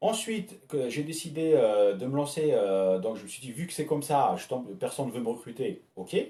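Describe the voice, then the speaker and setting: His pitch sits fairly high for a man and swings very widely. The man's tone is dark and mellow. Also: moderate pace. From North Africa, Algeria. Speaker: YouTuber. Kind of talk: livestream monologue. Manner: halting.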